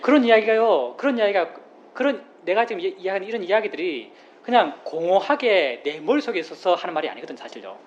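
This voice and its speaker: A Buddhist monk giving a plain-spoken dharma talk, who repeats key phrases and explains with everyday examples. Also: male voice, high-pitched, very animated, quick pace. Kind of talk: dharma talk to a meditation group. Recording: slightly dull recording with faint room noise.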